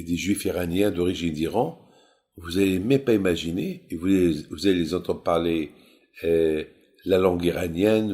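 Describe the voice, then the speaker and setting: Low-voiced Moroccan rabbi telling a story. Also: male voice, darkish tone. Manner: repeats phrases for emphasis, halting delivery. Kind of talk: informal religious storytelling.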